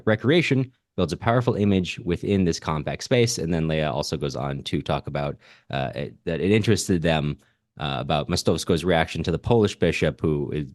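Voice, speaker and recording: A man hosting a podcast, reading listener comments aloud and reflecting on them in a measured, bookish way. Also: low voice, a little mellow, no echo, clean studio sound. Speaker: podcast host.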